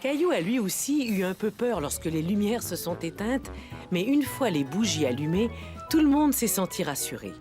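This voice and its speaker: A woman as the gentle storybook narrator of a French children's cartoon, reading a scripted story. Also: medium pitch, big pitch swings, normal speed, natural voice. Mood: gentle, storytelling. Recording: music behind the voice.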